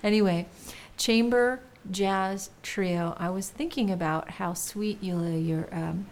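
A woman's voice: mid-range voice, takes it slowly. A woman from California hosting a radio show, chatting with guests in a loose, filler-heavy way. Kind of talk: casual interview and promo.

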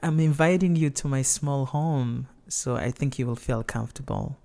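A man's voice: medium pitch, moderate pace, dark tone. A man from Mozambique with a Mozambican accent, whose first language is Shangana, answering interview questions as a musician guest in a hesitant way, searching for words.

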